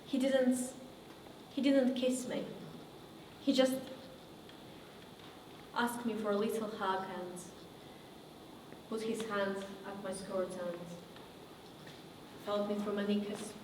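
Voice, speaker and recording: A woman acting a theatrical monologue as a haunted woman looking back on her past, with deliberate, halting delivery. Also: high voice, completely flat delivery, warm tone. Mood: subdued, uneasy. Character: woman recounting childhood memories, wry then wounded and haunted. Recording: echoey reverberant room, distant mic, faint noise.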